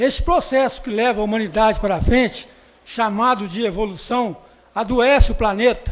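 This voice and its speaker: A man speaks at an extremely high pitch. His pace is moderate and his pitch varies in an ordinary way. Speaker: citizen speaker at city council. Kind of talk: reading aloud; public speech. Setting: city council chamber with audience.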